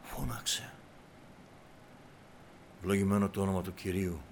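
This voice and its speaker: A man preaching a sermon to his congregation, breaking into loud cries and then dropping back to a low, quiet voice. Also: steady tone, creaky, a little hiss or hum. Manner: shouts in bursts, then drops to a low, quiet tone; addresses the congregation as brothers.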